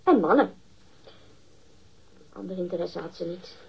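A woman's voice: fairly low pitch, lively intonation, measured pace, creaky, husky, heavily acted. An actress in a radio drama playing a catty, defensive woman witness, disdainful and emphatic as she gossips. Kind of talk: acted radio drama dialogue. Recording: dull, muffled lo-fi radio recording.

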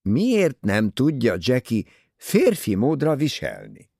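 A man performs a jittery young husband in an audiobook, raised and loud, swinging wildly in pitch as he pleads. His voice is husky and a little gravelly. The recording is close and dry. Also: no room sound, exaggerated voice. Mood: agitated. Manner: excited, pleading outbursts. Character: nervous agitated young husband, defensive.

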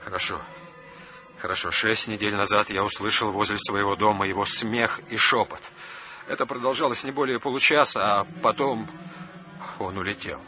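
A man's voice: on the low side, fairly even intonation, normal speed, bright, forceful tone. A man acting in a radio drama as a haunted, stubborn man under siege, speaking with dramatic intensity. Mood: uneasy recounting. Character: haunted, stubborn man besieged by a living wind.

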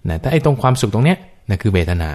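A man who is a Buddhist monk, patiently explaining teachings on a radio Dhamma discussion, with many soft fillers. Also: medium pitch, very animated, quick pace. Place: radio studio.

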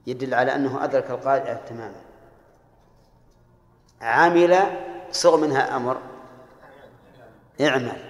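A man teaching a grammar lesson, explaining step by step and quizzing his students. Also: mid-range voice. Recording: echoey hall with long reverb.

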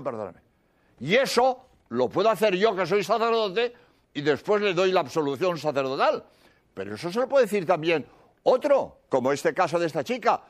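A priest giving an earnest sermon, repeating his points and dropping to a hushed murmur for prayers. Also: high voice.

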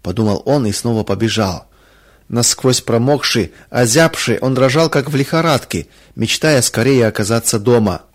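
A man narrating a Christian children's story in a calm, measured way. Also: mid-range voice.

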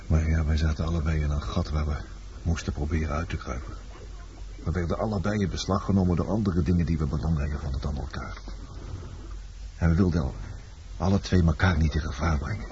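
An actor in a Dutch radio play playing a world-weary, blunt lover and sailor, terse and fatalistic. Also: male voice, rumbling low, fairly even intonation, brisk, warm tone. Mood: brooding, curt. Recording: dull, noisy old radio drama recording.

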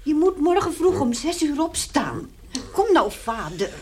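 An actress playing a gentle, fretful middle-aged mother who pleads and coaxes in a radio play. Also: sits high, big pitch swings, a little slow, crowd noise. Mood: coaxing. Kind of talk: Dutch radio play acting.

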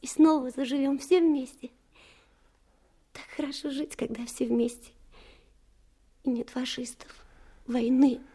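An actress playing a commander's brave young daughter in a radio drama, tender, earnest and often hushed. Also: female voice, sits high, fairly even intonation, measured pace, pauses often, husky, full character voice. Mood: soothing, hopeful. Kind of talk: Soviet radio drama acting.

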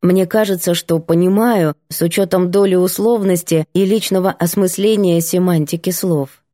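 A woman narrating a novel in the first person, with expressive, ironic storytelling. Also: fairly low pitch, moderate pace, dry recording, clean studio sound. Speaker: audiobook narrator.

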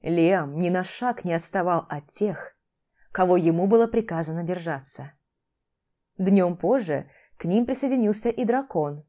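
Woman reading a fantasy audiobook, slow and dramatic, warm dark voice. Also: lowish voice, lively intonation. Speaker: audiobook narrator. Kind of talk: scripted fantasy narration.

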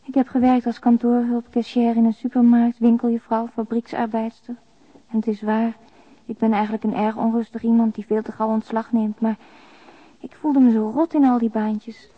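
Actress as a weary, subdued single mother, higher-pitched. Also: little pitch movement, moderate pace, natural voice. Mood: weary, resigned. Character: weary, despairing young single mother confiding by letter. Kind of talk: radio drama monologue, letter voice-over. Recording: dull, lo-fi radio drama recording.

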